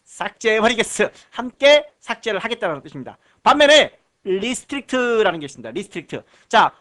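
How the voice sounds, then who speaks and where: A man's voice: high-pitched, pushed and bright. A man from Korea teaching an exam-prep lecture. He asks himself rhetorical questions, answers them, and repeats key terms for emphasis. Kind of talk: recorded lecture walking through exam questions.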